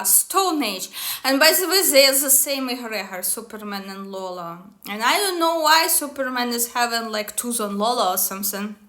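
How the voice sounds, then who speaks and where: A woman's voice: sits high, pushed and bright. A woman speaking slightly broken English in an angry, scornful, profane monologue. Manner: non-native English grammar. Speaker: tarot and destiny matrix reader.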